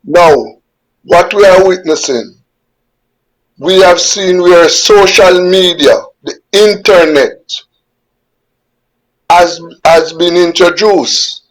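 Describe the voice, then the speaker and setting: A Jamaican man in his fifties or sixties, a veteran journalist, answering interview questions on a video call in a measured way, repeating words as he gathers his thoughts. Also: high voice, low-quality recording. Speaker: guest journalist. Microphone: webcam on a video call.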